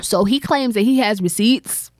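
Female podcast co-host, mid-pitched, chatty rambling storyteller, dry close mic. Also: a little mellow, no echo. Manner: chatty storyteller, drawn-out filler-laden retelling. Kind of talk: casual gossip chat.

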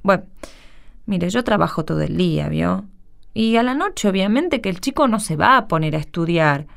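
An actress playing a worried, humble middle-aged working mother in a radio drama, hesitant and deferential, with an Argentine accent and a creaky voice. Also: lowish voice, animated, normal speed. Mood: worried, unsure.

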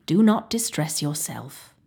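A woman reading the part of a kindly, calm senior physician, an older man who speaks soothingly. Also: low voice, measured pace, creaky, breathy edge, heavily acted. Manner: kind, soothing.

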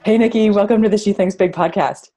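A woman's voice: mid-range voice, fast talker, dark tone. A woman reads a scripted podcast intro and promo as the show's host. Faint music plays behind her voice.

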